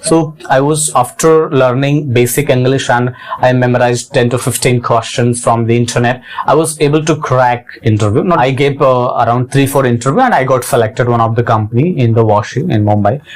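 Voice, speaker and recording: A man's voice with hardly any pauses, fairly even intonation and very even loudness, over noticeable background noise. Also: medium pitch for a man, fairly quick pace. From India, Uttar Pradesh. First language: Hindi. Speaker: English teacher YouTuber. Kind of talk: casual monologue, personal story. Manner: hesitant, many fillers.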